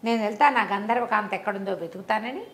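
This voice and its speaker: A woman's voice: medium pitch, quick pace, a bit bright, slight background noise, close to an everyday voice. A woman storyteller voicing a determined young prince, speaking plainly and earnestly. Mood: earnest resolve. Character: determined young prince seeking his father's cure.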